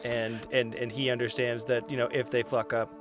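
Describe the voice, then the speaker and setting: A man chatting casually as a player in a tabletop game, with hesitant, halting phrasing. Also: medium pitch, level tone, faint music behind. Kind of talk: casual chat.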